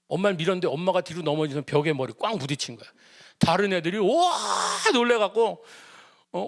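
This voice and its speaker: Middle-aged pastor with a higher voice. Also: male voice, no room sound, clean studio sound. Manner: animated, acts out voices of family members, humorous asides. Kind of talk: storytelling sermon. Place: church prayer service.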